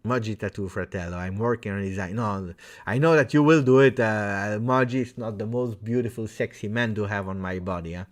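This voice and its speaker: Hosting a football fan livestream from Italy, this man speaks with an Italian accent, though French is his first language. He reads out viewer comments and calls people by name, talking fairly quickly in a relaxed, chatty way that swings from big cheers to low mumbles.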